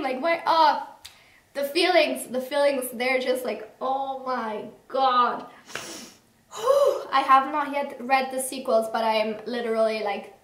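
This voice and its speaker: A young woman talking in a casual, rambling and expressive way as she reviews books for a vlog, with lots of gushing emphasis. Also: sits high. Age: young adult. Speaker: book reviewer, video host. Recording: roomy echo.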